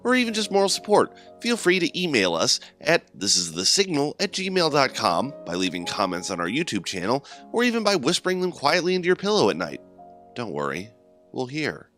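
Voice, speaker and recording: A man's voice: medium pitch, wildly swooping pitch, brisk, a bit bright, faint music behind. A man who creates and narrates a podcast, reading from a script in a polished, prepared style. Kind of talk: scripted announcement and story narration.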